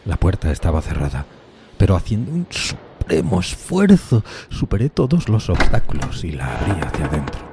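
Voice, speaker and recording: A man's voice: deep voice, very animated, normal speed, background noise. A man playing a solitary, tormented outcast, narrating a gothic horror audio drama in a solemn, theatrical, literary manner.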